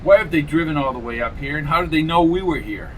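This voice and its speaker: A man's voice: on the high side, fast, a little hiss or hum, lightly acted, poor audio. A man doing an anxious young woman. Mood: urgent. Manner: urgent, worried questions.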